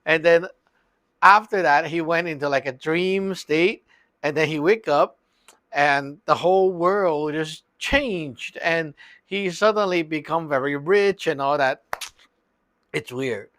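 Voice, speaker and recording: Slow-talking man teaching in a dry room. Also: a little high, a bit bright, no room sound. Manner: loose and chatty, peppered with "like" and "okay?". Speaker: Taoist teacher. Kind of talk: casual spoken lesson.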